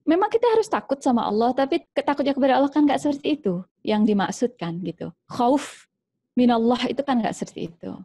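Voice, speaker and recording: A woman doctor giving casual parenting tips, lively and acting out how parents scold their children. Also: high-pitched, quick pace. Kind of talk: informal educational talk.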